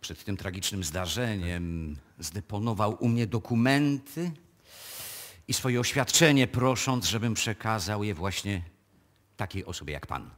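Formal, low-voiced, bright-toned notary. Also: male voice. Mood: solemn, insistent. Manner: formal, deliberate, polite. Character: discreet, formal small-town male notary. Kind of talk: live radio drama acting.

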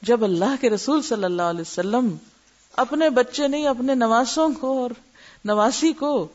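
A woman's voice: a little high, darkish tone. Woman lecturing on religion, keeps asking the class questions, dull lo-fi sound. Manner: explains terms and asks rhetorical questions. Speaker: Islamic teacher. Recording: muffled lo-fi lecture recording.

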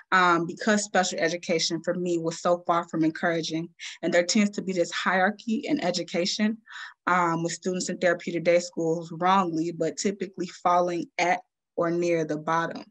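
Young woman, lowish voice, earnest measured talk, webcam video call, home room. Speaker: student advocate speaker. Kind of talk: prepared panel talk. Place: home room, plain wall. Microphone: laptop webcam on a video call.

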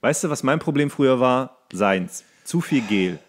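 A man's voice: mid-range voice, lively intonation, moderate pace. Male podcast co-host, casual and slangy. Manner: colloquial, slangy, mocking. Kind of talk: casual chat, commenting on a TV show while watching.

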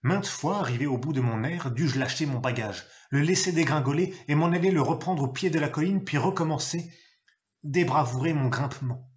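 A man reading a novel aloud, telling it expressively and acting out a gruff father's shouted lines. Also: fairly high pitch, normal speed. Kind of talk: literary reading.

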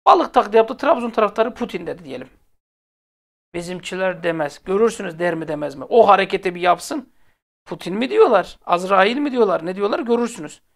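A man's voice: sits high, expressive, brisk, gravelly. Heated man ranting about football. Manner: exasperated, repeats phrases for emphasis; speaks directly to viewers, blunt and heated. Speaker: football fan channel host. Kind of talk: casual football rant.

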